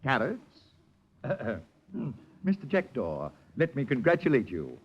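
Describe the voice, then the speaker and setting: An actor playing a grandiose, easily flustered movie studio boss in a vintage radio drama. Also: male voice, medium pitch, wildly swooping pitch, slow pace, breathy edge, lo-fi sound, heavily acted. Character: pompous excitable middle-aged male studio boss.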